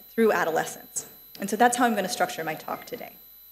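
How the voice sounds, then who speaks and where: A woman speaks with audible room echo. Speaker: neurologist. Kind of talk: conference lecture. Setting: conference stage with audience. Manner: soft-spoken.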